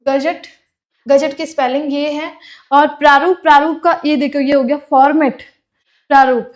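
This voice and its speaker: A woman's voice: sits high, steady tone, moderate pace. A woman teaching for a clerk exam, explaining terms by repeating them and asking and answering her own questions. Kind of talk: classroom lecture.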